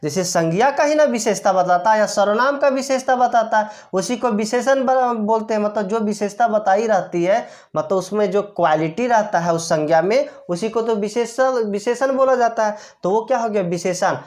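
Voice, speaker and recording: A woman's voice: mid-range voice, normal speed, few pauses, darkish tone. A woman grammar teacher explaining step by step, asking rhetorical questions and answering them herself, repeating each key term. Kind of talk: classroom-style explanation.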